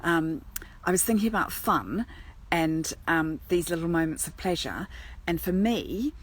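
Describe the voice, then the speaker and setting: A woman's voice: lowish voice, animated, measured pace, slightly rough. A woman from New Zealand, an agony aunt, chatting live and thinking aloud with many ums while sitting outdoors in a churchyard. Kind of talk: casual live stream chat.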